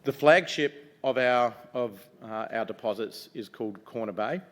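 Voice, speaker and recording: A middle-aged man with a New Zealand accent and a loud voice, giving an upbeat investor presentation in a conference room, talking casually with lots of ums and uhs. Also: normal speed. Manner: upbeat, conversational pitch with frequent ums and uhs. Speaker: mining company executive presenting to investors.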